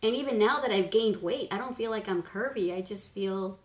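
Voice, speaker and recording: A woman in her fifties chatting casually on a home live stream, rambling, laughing often and sometimes dropping to a hush. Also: mid-range voice, normal speed. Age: 50s. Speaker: beauty vlogger, live stream host. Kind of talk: casual live-stream chat reading comments. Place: living room at home, indoors. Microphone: webcam at desk distance. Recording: echoey room.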